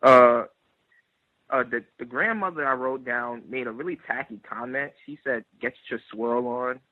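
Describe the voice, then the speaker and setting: A man's voice: medium pitch, normal speed, dry recording. A man calling in to a book discussion, speaking earnestly and with disapproval. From New York. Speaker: caller. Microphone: phone. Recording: tinny dry phone line.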